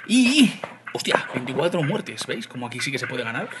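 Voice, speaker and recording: Fast-talking Spanish gaming YouTuber, man. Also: mid-range voice. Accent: Spain Spanish. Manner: chatty, excitable, addresses viewers as "chicos". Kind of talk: casual gameplay commentary. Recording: loud background noise.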